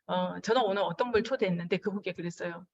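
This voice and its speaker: A woman giving a business seminar lecture in an animated way, acting out the dialogues she describes. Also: on the low side, fast, gravelly, recorded from a distance, highs cut off. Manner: animated, acts out quoted dialogue.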